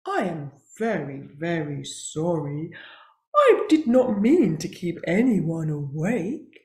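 A woman doing a slow, apologetic water buffalo. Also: on the low side, sing-song, a little mellow, voice pushed down. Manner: slow and drawn-out. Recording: roomy echo, away from the mic.

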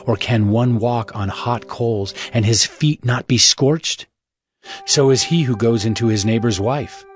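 A man's voice: mid-range voice, a little slow. A man giving a dramatized scripture reading as narrator, in a solemn, fatherly, exhorting manner. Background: music.

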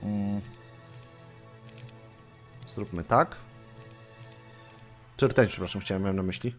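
A man's voice: on the low side, slow pace, soft background music. A man hosting a let's play, commenting casually on his gameplay and swearing offhandedly. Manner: chatty, swears casually, reads game story aloud.

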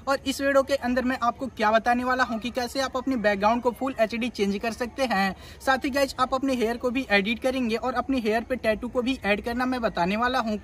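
A man's voice: very high voice, fairly bright tone. A man opening his photo editing tutorial with an eager, salesy intro that makes big promises to his viewers. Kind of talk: hyped video intro.

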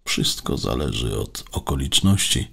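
A man's voice: a bass voice, very animated, unhurried, gravelly, a bit bright, slightly rough, full character voice. Robik, a man doing a modest caretaker robot. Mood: gentle. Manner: polite, conscientious.

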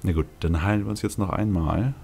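A man's voice: sits low, fairly quick, gravelly, warm tone. A man hosting a let's play with casual game commentary, thinking aloud with wry, dry asides. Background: game music.

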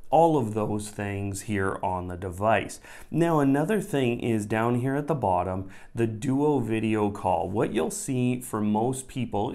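A man's voice: on the low side, darkish tone. A man, hosting a conversational step-by-step tech tutorial and rephrasing his instructions as he goes. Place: small indoor room at a desk.

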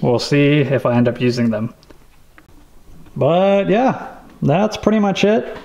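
A man casually showing off tools he bought, talking in a relaxed, rambling way with lots of fillers. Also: a little high, slow pace, creaky. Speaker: vlogger showing a tool haul. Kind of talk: casual show-and-tell chat.

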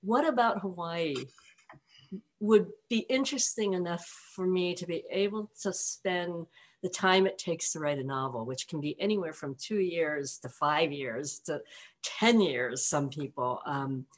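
An older woman from the San Francisco Bay Area, an author talking over a video call in a relaxed, reflective way with many pauses. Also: lowish voice. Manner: relaxed, reflective, light laughs, many ums. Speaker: author guest. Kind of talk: conversational interview answers. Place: home room with block wall. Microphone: video call webcam.

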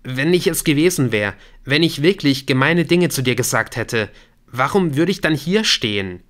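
Audiobook role: accused young boyfriend, voiced by a male narrator, urgent, lifted pitch, bright and tense. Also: animated, moderate pace, close to an everyday voice. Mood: pleading. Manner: earnest, urgent, defensive. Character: anxious, pleading young man, the accused boyfriend.

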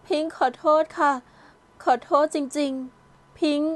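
A woman's voice: sits high, fairly even intonation, takes it slowly. A woman voicing a remorseful, tearful young woman in an audio novel, pleading and apologetic.

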